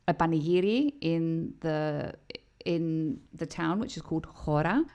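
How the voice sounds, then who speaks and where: A woman co-hosting a podcast, telling stories in an animated, casual way. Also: deep voice, gravelly. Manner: animated storyteller, quick to laugh. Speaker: podcast co-host.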